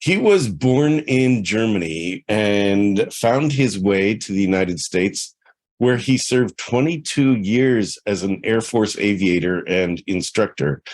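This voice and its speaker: A man with an unremarkable speaking voice talks at a fairly low pitch and fairly slow pace, with lively intonation and hardly any pauses. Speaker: podcast host, success coach. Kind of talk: podcast intro.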